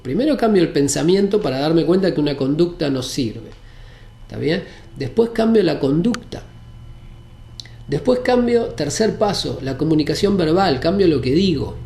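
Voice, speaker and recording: A man's voice: a little high, vocal fry, darkish tone, roomy sound. A man giving a spiritual self-help talk, explaining step by step and checking in with "¿está bien?". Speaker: spiritual teacher. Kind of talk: recorded talk on personal change.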